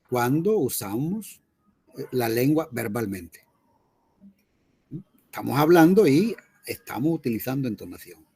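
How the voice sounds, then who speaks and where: A man's voice: medium pitch, darkish tone, slightly rough. A man, a teacher lecturing his class in an online lesson, explaining patiently and often checking in with his students.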